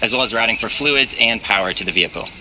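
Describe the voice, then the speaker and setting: A man's voice: on the low side, quick pace. A man giving live, explanatory commentary as host of a rocket launch webcast. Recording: clear background noise.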